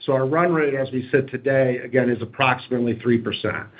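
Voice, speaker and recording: A man speaking as a company executive on an earnings call, in measured corporate phrasing. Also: mid-range voice. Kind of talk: prepared remarks and corporate question answering. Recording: dull, lo-fi conference call audio.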